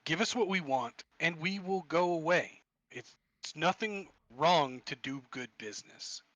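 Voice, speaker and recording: A man voicing a pushy male thug leader who presses a deal with smooth menace. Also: a little high, expressive, unhurried, sharp tone, no echo. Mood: pressing.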